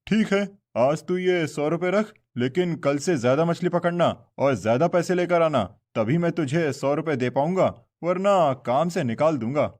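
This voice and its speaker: This is a bossy older village boss in a cartoon, barking orders and accusing people of cheating, as a man puts him on. The voice sits noticeably higher than usual and is pushed louder. The delivery is scolding and impatient. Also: moderate pace, hardly any pauses, close to an everyday voice. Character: stern older male fish-pond boss. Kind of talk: Hindi cartoon voice acting.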